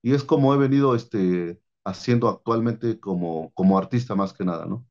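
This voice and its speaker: A man's voice: on the low side, a little mellow. Man on a dull video call. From Oaxaca, Mexico. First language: Mazatec. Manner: unhurried, frequent "este" fillers. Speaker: interviewed artist. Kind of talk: video call interview answer. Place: small room with paintings on wall. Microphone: laptop webcam video call.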